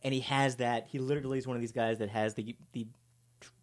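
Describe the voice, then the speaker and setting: A man's voice: medium pitch, fairly even intonation, fast, no room sound. Chatty man in his forties, dry sound. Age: 40s. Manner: chatty, rambling, self-mocking. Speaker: podcast host. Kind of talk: casual chat.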